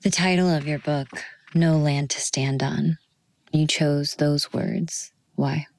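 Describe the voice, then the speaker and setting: A woman hosting a radio interview, asking calm, measured questions. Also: deep voice, creaky.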